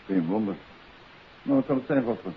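A male actor plays a calm, self-assured gentleman detective in an old radio mystery. His low voice moves expressively as he speaks with deliberate, theatrical authority. The recording is muffled, with a faint hiss. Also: close to an everyday voice. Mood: brisk, genial. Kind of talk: 1950s Dutch radio drama acting.

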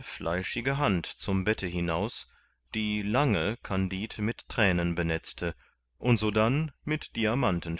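A man reading a classic novel aloud as narrator, measured and deliberate, voicing the characters. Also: on the low side, fairly bright tone. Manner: slow, measured, puts on voices for characters. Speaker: audiobook narrator. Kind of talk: scripted literary narration.

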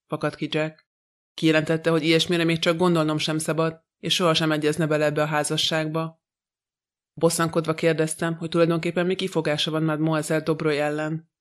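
A man voicing an angry, defiant young man in an audiobook, speaking bitterly in an even, flat delivery. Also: a little high, lightly acted.

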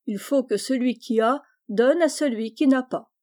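A woman's voice: high voice, moderate pace, mellow, lightly acted. A woman reading the part of a hearty, generous older male farmer in a storybook, jovial and exclaiming.

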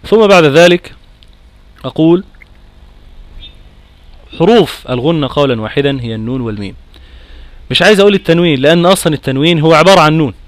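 A man with an Egyptian accent teaching a Quran recitation lesson, nasal and congested from a cold, lively and quizzing his class. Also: on the high side, fast, pauses often, no echo. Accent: Egyptian Arabic. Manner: lively, questions the class, chants recitation examples.

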